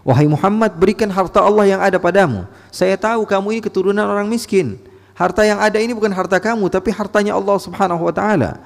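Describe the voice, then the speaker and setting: A man's voice: high-pitched, fast talker, creaky, in a large hall, voice pushed up. A preacher voicing a rude Bedouin man. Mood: demanding. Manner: blunt and insolent.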